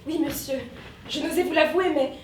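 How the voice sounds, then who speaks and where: A coy, flustered young lady fending off a suitor, played on stage by a young woman. Her voice is high and rings in a roomy hall, picked up from far off over faint hiss. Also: moderate pace, close to an everyday voice. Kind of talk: stage comedy acting. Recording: roomy stage sound from afar, faint noise.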